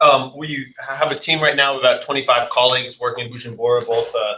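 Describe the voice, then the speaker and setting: A man speaks with a New Jersey accent. His pace is fairly quick. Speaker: NGO director. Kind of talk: panel presentation. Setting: meeting room with video call. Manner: fast; hesitant, many fillers.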